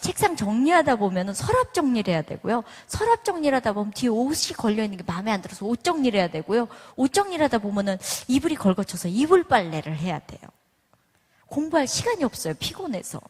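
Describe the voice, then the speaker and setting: A woman's voice: on the high side, sing-song, fast, hardly any pauses, a little mellow, slightly rough. A middle-aged woman giving a church testimony, telling stories with humor and acting out other mothers' voices. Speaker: testimony speaker. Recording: echoey church hall.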